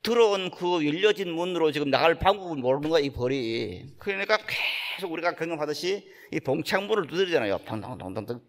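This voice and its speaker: Older man, Buddhist monk with a Gyeongsang accent, gravelly voice, unhurried folksy sermon storytelling. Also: on the high side, lively intonation. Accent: Gyeongsang Korean. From Gyeongsang province, Korea. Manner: folksy, unhurried storytelling, acting out quoted speech. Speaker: Buddhist monk giving a dharma talk.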